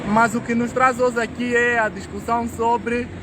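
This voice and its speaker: Fairly slow speech from a man, noticeable background noise behind him. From Angola, Moxico province. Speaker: panel speaker, political activist. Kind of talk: public talk. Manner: soft-spoken.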